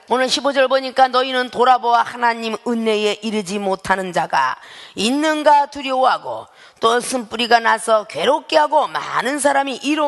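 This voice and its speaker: A woman's voice: fairly high pitch, fairly bright tone. A woman pastor preaching a sermon with emphasis, often asking the congregation rhetorical questions. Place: church sanctuary. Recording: long church reverb.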